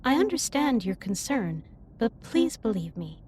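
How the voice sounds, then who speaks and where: Woman acting as formal, high-voiced alien captain. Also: sing-song, a little mellow, a little hiss or hum. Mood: reassuring, earnest. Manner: formal, precise, stilted wording with measured delivery. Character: female alien starship captain, formal, earnest, caring. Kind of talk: scripted roleplay audio drama, intimate one-sided dialogue.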